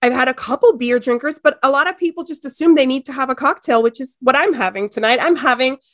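A woman's voice: high-pitched, fast talker, a bit bright, no echo, clean studio sound. A woman in her thirties, born in Ecuador, hosting a podcast in a chatty, bubbly way. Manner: bubbly, chatty, laughs easily. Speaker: podcast host. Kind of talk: casual chat.

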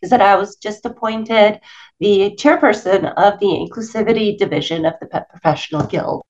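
A woman's voice: mid-range voice, normal speed, darkish tone, dull audio. A middle-aged woman from Venezuela, a dog trainer guest chatting and laughing often. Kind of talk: casual interview chat.

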